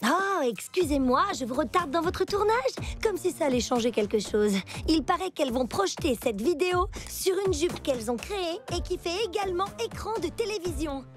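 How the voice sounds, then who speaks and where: A snide cartoon girl with a very high voice. She needles sarcastically and sourly, with music behind her. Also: animated, moderate pace, few pauses. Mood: smug mockery. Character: snide, sour-tempered mocking girl in a cartoon. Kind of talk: French cartoon dub acting.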